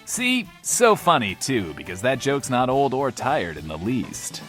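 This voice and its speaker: Manic bunker radio host, lonely, theatrical, rambling, highly animated pitch, middle register, comic audio drama. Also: male voice, a little slow, soft background music. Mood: giddy, confiding. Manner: theatrical, rambling, refers to himself in third person.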